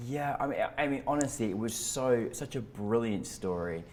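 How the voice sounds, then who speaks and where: A man's voice: mid-range voice, animated, normal speed, a little mellow. A man hosting a film interview, effusive and enthusiastic, rambling as he praises the film. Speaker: interview host. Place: indoor venue.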